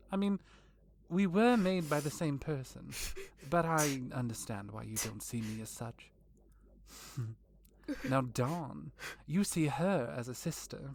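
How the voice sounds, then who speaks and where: A woman's voice: low voice, expressive, slow pace, gravelly, a little mellow, full character voice. A woman playing a cold, vengeful vampire villainess in an audio drama, taunting with genteel menace. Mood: gloating menace.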